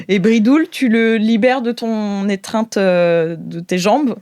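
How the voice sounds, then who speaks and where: A woman narrates as game master for an improvised role-playing game. Her voice sits at a middle pitch. She talks informally, feeling her way through descriptions and rewording them as she goes. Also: fairly even intonation, slow, darkish tone. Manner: informal, hesitant narration that trails and rephrases.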